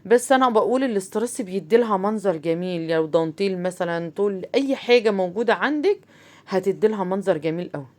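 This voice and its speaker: A fast-talking woman with an Egyptian accent walks viewers through a homemade craft. She keeps up a friendly, chatty stream of talk, full of fillers and direct asides to her audience. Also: medium pitch, lively intonation, a little mellow. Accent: Egyptian Arabic. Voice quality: chatty, talks straight to viewers, many fillers. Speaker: crafts channel host. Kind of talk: casual craft tutorial.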